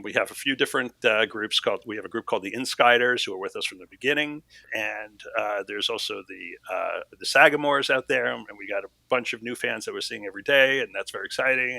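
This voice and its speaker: A man with a low, gravelly voice and a bright edge, recorded dry. He gives casual interview answers as a show creator, halting and self-deprecating. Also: no room sound, rough recording. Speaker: series creator being interviewed. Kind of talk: casual, unscripted interview talk.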